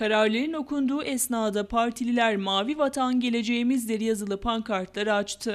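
A woman speaks at a high pitch and a moderate pace, with ordinary pitch variation. The recording is very clean, the background silent. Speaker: news reporter. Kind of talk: news reading.

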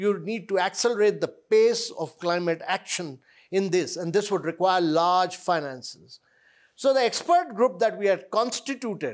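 In a quiet background, a man with a high pitch talks at a moderate pace with ordinary pitch variation. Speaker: interviewee. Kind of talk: interview answer. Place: studio.

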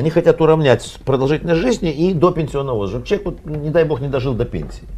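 A man's dark, mellow tone with vocal fry at a very fast pace. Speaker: political commentator. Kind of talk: TV talk show discussion.

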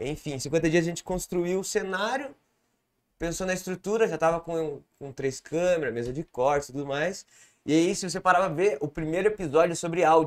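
Here a man talks in an animated tone at a high pitch. He keeps a moderate pace with ordinary pitch variation. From southern Brazil. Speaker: comedian and video producer. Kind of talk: casual chat. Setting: studio. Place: studio. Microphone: studio mic.

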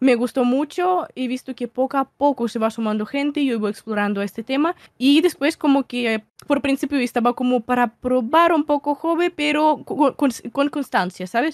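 A woman's high-pitched voice with ordinary pitch variation against a quiet background. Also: moderate pace, dry sound with no echo. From Russia. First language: Russian (speaking Spanish). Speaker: content creator and streamer; content creator, streamer. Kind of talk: casual interview chat. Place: home room. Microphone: studio mic.

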